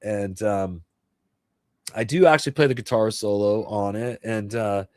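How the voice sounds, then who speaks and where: A man's voice: lowish voice, a little slow, no echo, studio quality. Laid-back man in his fifties, rambling. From New Jersey. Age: 50s. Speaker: livestream host and guitarist. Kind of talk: casual livestream chat.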